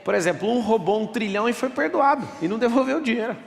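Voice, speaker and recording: A man's voice: very high-pitched, animated, fast, gravelly, big-room sound. A man giving an emphatic motivational talk in an auditorium, taking questions from the audience. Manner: emphatic, rhetorical, quotes people in voices. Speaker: speaker at a live event.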